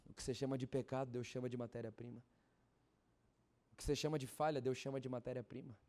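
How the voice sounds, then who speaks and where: A man preaching a sermon at a church service, swinging from loud fervent exhortation to hushed storytelling and asking the congregation questions. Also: medium pitch, little pitch movement, quick pace. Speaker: pastor.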